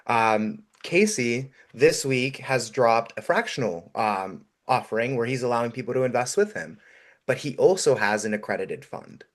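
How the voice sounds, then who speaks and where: A man whose first language is Russian, giving energetic, encouraging advice on a call-in show with many "um"s. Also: medium pitch, moderate pace. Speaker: guest investor.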